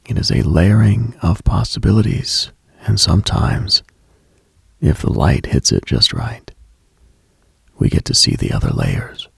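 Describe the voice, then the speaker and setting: Deep, gravelly, husky late-night radio man. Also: wildly swooping pitch, dry recording, clean studio sound. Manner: hushed, unhurried, contemplative, addresses listener directly. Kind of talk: intimate late-night mystical monologue, ASMR-like.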